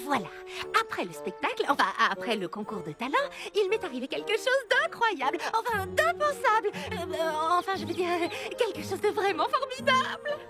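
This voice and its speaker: A sweet, bashful cartoon girl who giggles and trips over her words. Her very high voice swoops up and down lively. Music plays under her. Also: moderate pace. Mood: giddy. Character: sweet bubbly young girl, giggly and shy.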